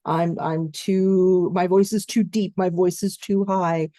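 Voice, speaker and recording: Female voice-over coach, low mellow gravelly tone, dry close mic, conversational teaching. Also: slow, no room sound. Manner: instructive, conversational, steady explanations with fillers. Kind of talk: online training webinar.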